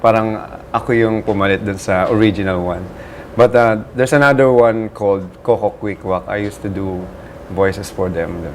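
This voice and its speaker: A man's voice: on the low side, normal speed, a little hiss or hum. A man with a Filipino accent, a voice actor being interviewed on TV, chatty and playful with lots of fillers. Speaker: voice actor guest.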